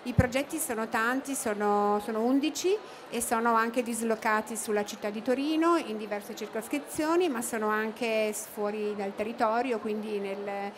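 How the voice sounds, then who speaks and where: A woman's voice: a little high, moderate pace, hardly any pauses, background noise. A middle-aged woman answering interview questions at an expo booth into a handheld mic, with many fillers and restarts. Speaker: interviewee, cooperative representative. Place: expo booth studio, indoors.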